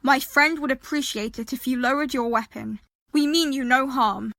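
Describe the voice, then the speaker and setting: A woman playing a quick-thinking young woman who bluffs politely in an audio drama, careful and placating. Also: sits high, creaky, fairly bright tone, no room sound, clean studio sound.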